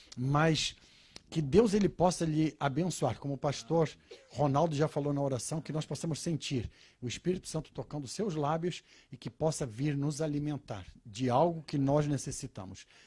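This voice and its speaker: A man with a fairly high pitch speaks in a dark, mellow, somewhat breathy tone. His pace is moderate and his pitch varies in an ordinary way. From Brazil (from age nine). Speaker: pastor. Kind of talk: church welcome.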